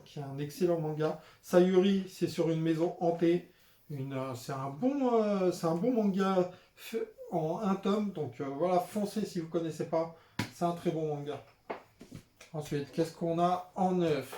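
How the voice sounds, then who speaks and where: A young man talks casually to his viewers in a fairly high, mellow voice, filling pauses with hesitations. The room rings with a noticeable echo. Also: a little hiss or hum. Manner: chatty, with frequent "euh" and "voilà" fillers. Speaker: manga vlogger showing his purchases. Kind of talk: casual unscripted vlog chat. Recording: roomy echoey room.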